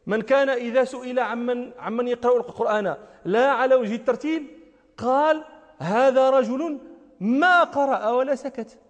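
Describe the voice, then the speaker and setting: A man lectures as a religious scholar, his voice sitting very high for a man. He speaks emphatically, circling back to repeat phrases and pressing his listeners with rhetorical questions. A long reverb trails his words around a large hall. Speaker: religious scholar teaching a lesson. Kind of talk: lecture on recitation and jurisprudence.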